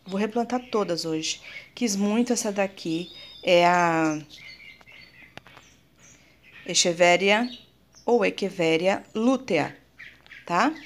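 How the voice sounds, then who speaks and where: A woman's voice: medium pitch, a little hiss or hum. Chatty Brazilian woman showing her plants. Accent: Brazilian Portuguese. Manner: chatty and affectionate, full of diminutives, keeps addressing viewers. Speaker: plant vlogger. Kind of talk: casual show-and-tell vlog.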